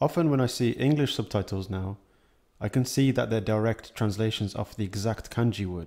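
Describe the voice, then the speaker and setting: A man talks at a fairly quick pace in a dark, mellow tone with fairly low pitch and ordinary pitch variation. The background is quiet. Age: 30s. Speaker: software colleague and guest. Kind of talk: casual chat. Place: home room. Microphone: studio mic.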